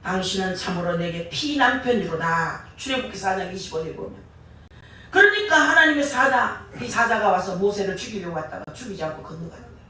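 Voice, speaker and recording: A woman preacher delivering an impassioned sermon, rising to shouts on key words, recorded from a distance in a church sanctuary. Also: medium pitch, sing-song, fast. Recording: echoey church hall, far from mic.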